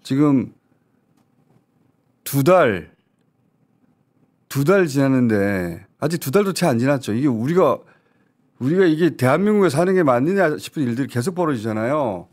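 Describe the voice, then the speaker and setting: A man's voice: medium pitch, expressive, moderate pace, long pauses, darkish tone. A man giving heated news talk-show commentary, talking in an indignant, emphatic and urgent way. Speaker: political commentator.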